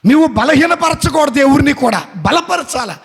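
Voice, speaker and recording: A man's voice: very high-pitched, animated, moderate pace. A man, a Catholic priest, preaching a sermon, often asking his listeners questions and answering them himself, and acting out the words of the people he quotes. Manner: acts out quoted speech in shifting voices. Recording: long hall reverb.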